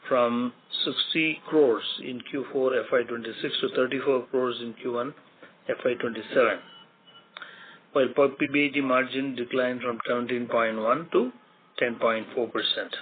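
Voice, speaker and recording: Over a thin, phone-like line with clear noise, a man with an Indian accent speaks at a middling pitch. He delivers a formal scripted earnings presentation as a company executive, measured and factual, setting out one figure after another.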